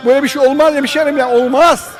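A man's voice: extremely high pitch, fairly even intonation, quick pace, faint music behind, poor audio. A man in his sixties in a street interview, complaining in an aggrieved, repetitive, exclamatory way. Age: 60s. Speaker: passerby interviewee.

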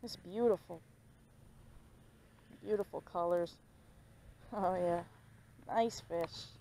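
A young woman chatting excitedly while fishing at a pond, filmed on a head-mounted action camera. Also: on the low side, slow pace, creaky, low-quality recording. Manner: excited, chatty, laughs often. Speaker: fishing vlogger. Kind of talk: casual commentary while fishing. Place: outdoors at a pond bank.

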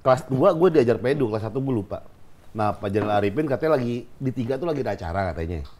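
A man's voice: mid-range voice, fast. A man in his forties, the host, asking lots of questions and joking around in a casual chat. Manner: lively, teasing, asks many questions.

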